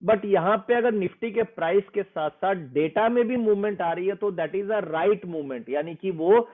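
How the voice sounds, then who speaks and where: A man's voice: high voice, measured pace. A man explaining a trading method in an interview, earnest and persuasive, slipping English phrases into his speech. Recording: tinny phone-like sound.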